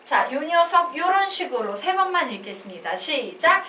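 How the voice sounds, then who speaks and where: A woman's voice: sits high, big pitch swings, moderate pace, pushed and bright, a little hiss or hum. A woman math teacher giving a classroom lecture, drilling students with call-and-response questions. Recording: echoey classroom, mic at a distance.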